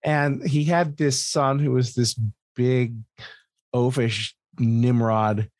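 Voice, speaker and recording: A man speaks at a middling pitch in a dry, close podcast recording. He chats casually and comically as a co-host. His storytelling is animated and peppered with swearing. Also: slow, no echo. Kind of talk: casual comedic chat.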